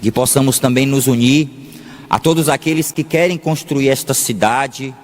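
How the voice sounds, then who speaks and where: A Brazilian man from Salvador preaching a homily as a Catholic priest, deliberate, with frequent pauses and phrases repeated for emphasis. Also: mid-range voice. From Salvador, Bahia, Brazil. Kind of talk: sermon. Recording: long echoing reverb of a large hall.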